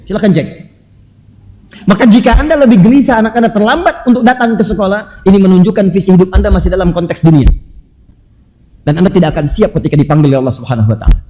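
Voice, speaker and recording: Fast, high-voiced man preaching in a hall. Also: warm tone. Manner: emphatic, with rhetorical questions to the audience; recites Arabic scripture quickly between explanations. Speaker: Islamic preacher. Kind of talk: sermon. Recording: long hall reverb.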